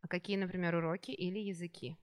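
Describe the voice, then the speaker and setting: A woman who is a hospital teacher hosting a podcast, patiently prompting children with gentle follow-up questions. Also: on the low side, steady tone, quick pace. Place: children's rehabilitation centre.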